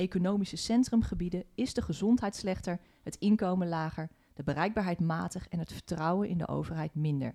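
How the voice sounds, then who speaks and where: A woman speaks in an ordinary speaking voice, fairly low in pitch with ordinary pitch variation. The recording is very clean, with a silent background. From Utrecht province, Netherlands. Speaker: podcast host / co-host. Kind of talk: interview.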